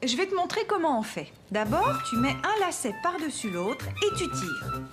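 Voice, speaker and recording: A woman voicing a gentle, patient young mother in a children's cartoon dub, encouraging and explaining things step by step. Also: high voice, big pitch swings, normal speed, over music.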